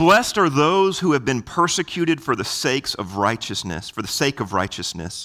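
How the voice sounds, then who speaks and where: With a Southern US accent, the speaker has a bright, sharp tone in a very clean recording with a silent background. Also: man. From Florida, Polk County. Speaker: guest preacher. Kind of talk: sermon.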